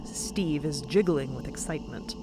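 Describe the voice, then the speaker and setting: A woman narrates an audio drama in a fairly low voice. The delivery is scripted and dramatic. Loud ambient noise runs behind her. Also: normal speed.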